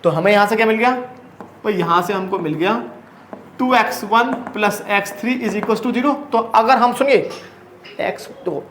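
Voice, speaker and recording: A math teacher with a high voice gives a blackboard lecture in an echoey room, with a little hiss or hum in the background. He explains step by step, asks the class rhetorical questions, and keeps it casual and chatty, calling his students brother.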